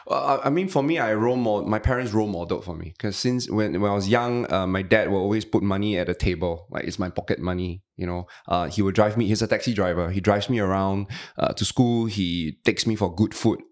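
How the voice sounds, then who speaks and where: Male panellist, Singaporean accent, rapid delivery, slightly low pitch, reflective casual chat. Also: a little mellow.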